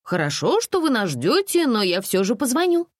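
Woman putting on a shrill, petulant thirty-year-old. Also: huge pitch swings, normal speed, dry recording, clean studio sound. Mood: chirpy. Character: flighty demanding woman of thirty, Alice.

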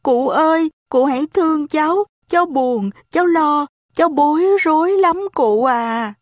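A woman's voice: sits high, unhurried, no room sound, studio quality, voice pushed up. A woman voicing an anxious young boy who is searching for his family, speaking in a raised, pleading voice for an audiobook. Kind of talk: audiobook character voice.

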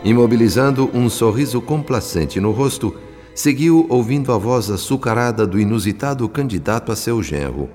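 A man narrating a scripted radio drama in formal, measured, literary phrases. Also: mid-range voice, animated. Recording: long reverb, soft music behind. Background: faint music.

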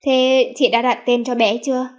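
A woman's voice: sits high, little pitch movement, moderate pace, close to an everyday voice. Woman voicing an earnest, devoted young man. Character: emotional young man, devoted and easily moved.

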